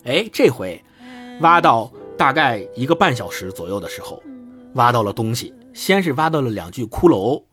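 A man casually retelling a story as a podcast host, lively and acting out the dialogue with shifting pitch. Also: moderate pace, soft background music.

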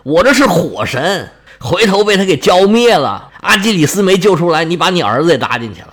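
A man's voice: high voice, big pitch swings, a little fast, a bit bright, breathy edge, exaggerated voice. A man voicing a whiny, wisecracking male fire god who complains to his mother. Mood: whining. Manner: whining, joking back.

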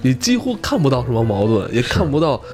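A man, co-hosting a podcast in a relaxed, chatty way with mild swearing. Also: mid-range voice, fairly quick, soft background music. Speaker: podcast co-host. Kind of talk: casual podcast chat.

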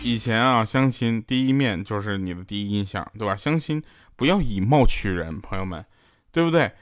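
A man's voice: lowish voice, expressive, normal speed, no room sound, studio quality, soft background music. A man hosting a podcast, telling jokes in a teasing comedy monologue and chuckling through his punchlines. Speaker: podcast host. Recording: loud hiss and clicks.

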